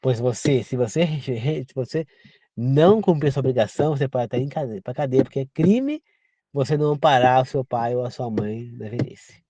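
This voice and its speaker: A man's voice: medium pitch, animated, moderate pace, dark tone, no echo. A man from Brazil giving an informal sermon, earnest and repetitive, often turning to the listener with direct questions. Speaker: preacher. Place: rural home.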